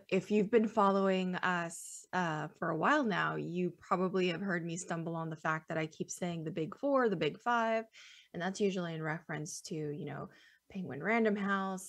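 A woman co-hosting a podcast in casual chat, talkative and quick to laugh, rambling loosely between thoughts. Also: on the low side. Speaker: podcast co-host.

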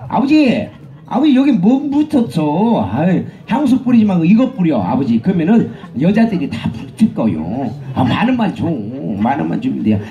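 On an outdoor festival stage, a rowdy male street performer and vendor hawks with a high, lively voice at a moderate pace. He trades comic banter with the crowd, teasing and shouting cues.

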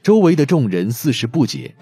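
A man's voice: mid-range voice, sing-song, moderate pace, warm tone, breathy edge, no echo. A man narrating a dramatic audiobook story in a scripted style. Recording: faint music under the voice.

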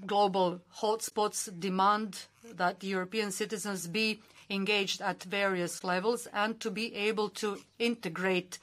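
A woman simultaneously interpreting formal conference speeches, with many filler pauses and a steady, formal delivery. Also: mid-range voice.

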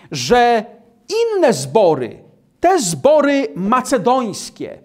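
An older man preaching at a lectern, slowly and deliberately reading and explaining Bible passages. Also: high-pitched. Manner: slow, deliberate delivery reading scripture aloud. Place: studio with virtual backdrop, indoors.

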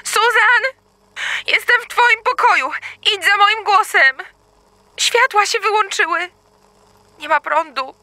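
An actress playing a terrified mother searching her dark house for her young daughter, panicked and pleading. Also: very high voice, slow pace, pauses often, no echo, full character voice. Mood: frantic. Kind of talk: audio drama acting.

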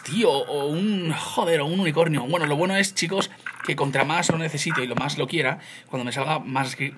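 A young man with a Spain Spanish accent, chatting casually to his viewers as he narrates his gameplay in an excitable way. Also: fairly high pitch. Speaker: gaming YouTuber. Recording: loud background noise.

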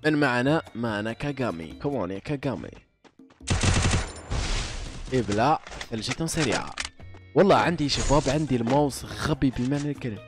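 Fast-talking young man doing boastful game commentary. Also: medium pitch, over music. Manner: excitable, boastful trash talk to opponents and viewers. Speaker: gaming YouTuber. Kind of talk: live gameplay commentary.

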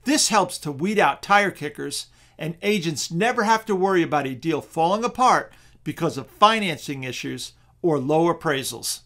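A middle-aged man narrating a scripted webinar on real estate auctions in a steady, persuasive sales tone. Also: a little high, moderate pace, hardly any pauses.

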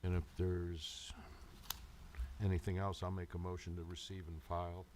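A man chairing a public meeting, talking informally and haltingly through procedure as he pieces his sentences together. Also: sits low, completely flat delivery. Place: indoor council meeting room. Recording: faintly noisy meeting room microphone.

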